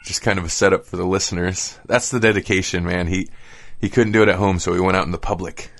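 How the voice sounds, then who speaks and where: A man's voice: sits low, fairly even intonation, fast, vocal fry. A man hosting a radio interview in a casual, informal, laid-back way. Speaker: radio show host.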